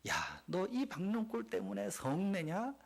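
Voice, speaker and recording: Pastor doing a fatherly God, teasing, coaxing, gravelly, sing-song. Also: high-pitched, animated, unhurried, pitched above the performer's own voice, full character voice. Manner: teasing, coaxing, softening to a hush. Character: God gently scolding a sulking prophet, fatherly. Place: church sanctuary.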